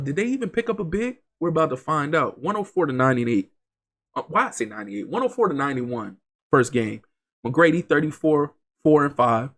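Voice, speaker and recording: Congested male game-channel host, slightly higher voice, excitable stat-heavy play-by-play. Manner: reels off stats, chatty and excitable. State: congested, getting over an illness. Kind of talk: casual commentary over a basketball video game simulation.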